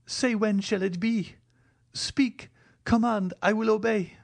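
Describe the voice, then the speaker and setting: A man's voice: sits high, fairly even intonation, takes it slowly, gravelly, voice pushed up, exaggerated voice. A man voicing a devoted, anguished young woman who pleads tearfully in an audiobook reading. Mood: impassioned.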